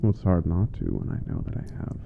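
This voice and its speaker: Guy doing a big friendly giant roommate for asmr, creaky low voice, teasing n fond, muffled w loud rain-like pouring behind. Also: wildly swooping pitch, a little hiss or hum, heavily acted. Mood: caring, soothing. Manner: slow, soft-spoken, chuckling, playful formal wording. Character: gentle, teasing giant male roommate, affectionate and amused. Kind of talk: intimate ASMR roleplay.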